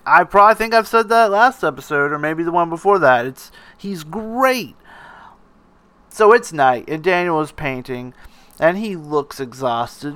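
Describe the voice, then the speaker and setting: A man's voice: a little high, bright, forceful tone, clear, resonant tone, dry recording. A man hosting a casual film recap, rambling along, laughing often and swearing freely. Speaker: podcast host recapping a film.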